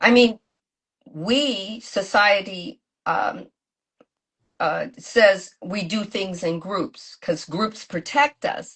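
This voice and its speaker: A woman speaks very slowly at a medium pitch, her intonation lively. She leaves long, frequent pauses. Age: 60s. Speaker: podcast host. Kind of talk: casual interview chat. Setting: live-streamed video call. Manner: halting, many restarts.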